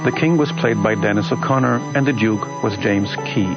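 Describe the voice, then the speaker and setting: A man's voice: on the low side, brisk, lo-fi sound. A man reading scripted closing credits as a radio announcer. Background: loud music.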